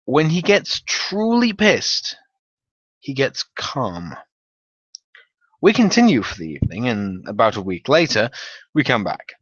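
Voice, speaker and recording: A man's voice: mid-range voice, measured pace, long pauses, slightly rough. A man giving a theatrical, wry dramatic reading of a humorous gaming story as its narrator. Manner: theatrical, animated, wry delivery with profanity. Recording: dull, roomy home recording.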